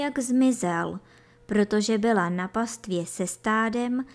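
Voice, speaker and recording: A woman reads a children's story aloud, calm and measured. Her voice sits a little higher than most.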